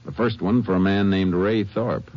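A man's voice: low voice, fairly even intonation, moderate pace, no echo, lo-fi sound. An actor playing a firm, laconic Texas Ranger lawman in 1950s radio western style, on an old noisy recording. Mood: firm, official. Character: authoritative, steady Texas Ranger lawman, male.

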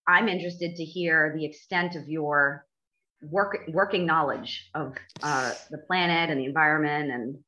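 A woman hosting a casual chat podcast, with a forceful, bright tone and a somewhat low pitch. She teases in a dry, blunt way and quizzes her co-host. The recording sounds dull and lo-fi. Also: normal speed. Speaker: host, environmental attorney.

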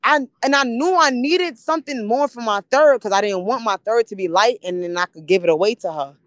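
A woman guest on a casual podcast who talks about her craft with plenty of emphasis, often saying a point twice in a row. Her voice sits a touch high. The sound is dry and close, with no room in it. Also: fairly quick, fairly bright tone, no room sound. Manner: emphatic, repeats phrases to drive a point. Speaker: podcast guest, battle rapper.

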